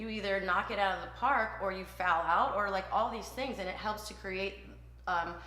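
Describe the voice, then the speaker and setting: With music in the background and audible room echo, a woman speaks at a moderate pace, her medium pitch held in a fairly even intonation. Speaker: show host, performer. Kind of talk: interview. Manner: stutters, halting.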